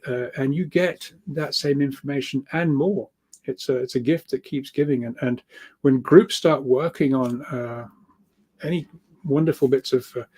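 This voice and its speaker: A man with a soft-edged, mellow voice at a middling pitch talks informally, like a guest speaker explaining his research. He rambles and halts, doubling back on words as he works through each idea. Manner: halting, repeats words, rambling, chuckles often. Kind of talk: informal spoken explanation of spiritual ideas.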